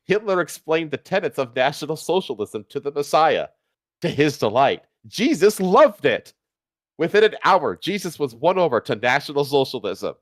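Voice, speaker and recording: A man's voice: a little high, dry recording. Man reading aloud in a dry, close studio sound. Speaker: streamer reading fan fiction aloud. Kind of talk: live comedic dramatic reading.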